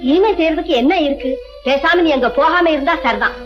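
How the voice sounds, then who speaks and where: An actress playing a spiteful, scheming middle-aged woman who scolds and mocks in a sharp voice, in a 1960s film drama. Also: sits high, brisk, muffled recording, close to an everyday voice. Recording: old film soundtrack with music.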